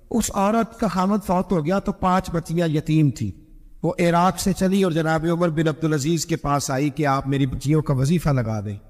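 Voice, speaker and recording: A man's voice: on the high side, a little mellow. A man with a Pakistani Urdu accent preaching a storytelling sermon, acting out the people in his story and jumping up sharply for their stern lines. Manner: acts out quoted voices, voice rising sharply for stern lines. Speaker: religious preacher. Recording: long hall reverb.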